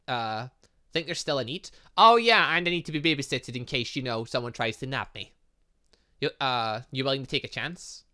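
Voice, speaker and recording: A man's voice: a little high, bright, forceful tone. A man chatting his way through a visual novel, thinking aloud and reading game text with playful little sound effects. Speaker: gaming YouTuber.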